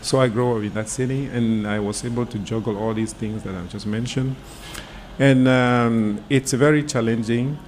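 A man from Cameroon, a guest in an interview, speaking in a measured, halting way with frequent pauses. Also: mid-range voice, steady tone, a little mellow, slight background noise. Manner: measured, halting, many "uh" fillers. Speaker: guest, environmental sociologist. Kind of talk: casual interview conversation.

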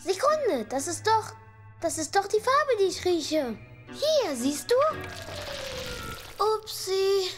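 Little cartoon bear: extremely high, childlike, naive, hesitant. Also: female voice, very animated, takes it slowly, long pauses, over music, heavily acted. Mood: wary, naive. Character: small, naive, clumsy young cartoon bear.

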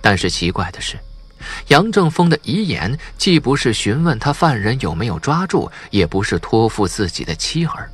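A man's voice: medium pitch, big pitch swings, moderate pace, husky. A man reading a suspense crime novel as a scripted audiobook narration.

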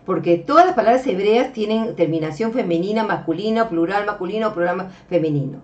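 A female religious teacher lectures over slides in a mid-range, darkish voice with lively intonation and a slightly fast pace. She explains patiently, calls her audience beloved brethren, and frequently asks "ok?" with "este" as a filler. Her mic is distant and dull-sounding.

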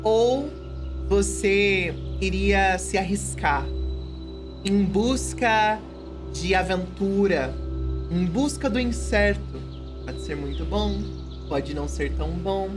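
A woman's voice: medium pitch, animated, slow. A thirty-year-old woman with a Brazilian accent, commenting on a game to her live chat in a reflective, emphatic way. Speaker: game streamer. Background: game music.

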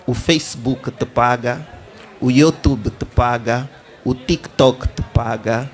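A man in his thirties with an Angolan Portuguese accent, explaining at length on a tech fair panel stage with a handheld microphone. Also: mid-range voice. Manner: explanatory, lively, addresses the audience directly. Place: large indoor event stage.

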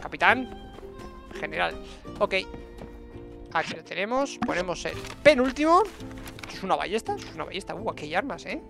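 A young man with a Castilian Spanish accent talks through a game in a chatty, playful way. His voice has plenty of fry and gravel in it. He speaks into a headset, with game music clearly behind him. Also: sits high, big pitch swings, a little fast, long pauses. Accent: Spanish from Spain. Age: young adult. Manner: chatty, playful self-talk with diminutives. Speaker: video game streamer. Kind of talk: casual gameplay commentary. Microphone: headset microphone.

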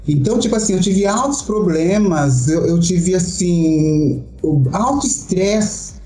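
A middle-aged woman with a Brazilian Portuguese accent, a show performer telling her story as an interview guest. She talks in a theatrical, animated way and keeps checking that the listener understands. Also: fairly low pitch, echoey room. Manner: animated, theatrical, acts out quotes, keeps asking "you understand?".

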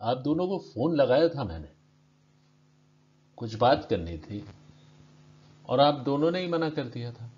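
A man reads as a patient, insistent man in white, pressing his plea again and again. The voice moves at an unhurried pace and sounds a little dull and lo-fi. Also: medium pitch, very animated, a little mellow. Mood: reproachful. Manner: pleading, insistent. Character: calm persistent man in white clothes. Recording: dull lo-fi recording.

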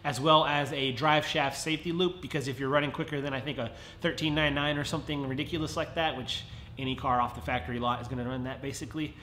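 A man's voice: medium pitch, fairly even intonation, fast, sharp tone, slight background noise. A man in his thirties with a nasal, congested voice from a head cold, chatting casually to viewers in a friendly car how-to vlog. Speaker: car vlogger. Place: home garage, indoors. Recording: roomy garage echo.

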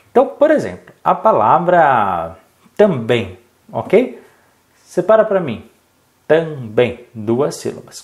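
A man with a Brazilian accent teaching an exam-prep lesson, explaining step by step and constantly checking in with "right?" tags. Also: medium pitch. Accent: Brazilian Portuguese. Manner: lively, peppers speech with "tá bom?" and "né?" checks; explains step by step, asking and answering his own questions.

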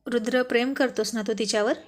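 A woman's voice: fairly high pitch, steady tone, fairly quick, close to an everyday voice. Older sister, persistent and worried, read by a woman narrator, storybook. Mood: probing. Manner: questioning, insistent.

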